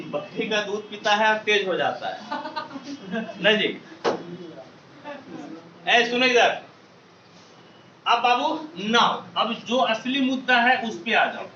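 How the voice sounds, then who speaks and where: Male maths teacher, very high and bright, recorded from a distance in a roomy classroom; drills the class call-and-response style. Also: dull audio, a little hiss or hum. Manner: quizzes students, repeats questions, calls them babu and beta.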